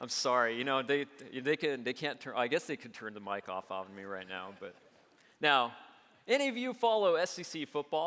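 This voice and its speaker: An animated man with an American accent, medium pitch and a bright, sharp tone, very wide pitch swings, big swings in loudness and a moderate pace. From Alabama, US South. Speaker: tech company executive. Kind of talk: keynote speech. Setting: stage with audience.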